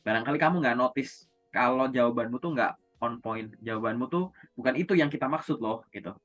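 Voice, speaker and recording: A man's voice: mid-range voice, brisk, a bit bright, faint music behind. A man coaching job seekers in a casual, conversational way, asking and answering his own questions. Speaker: career coach.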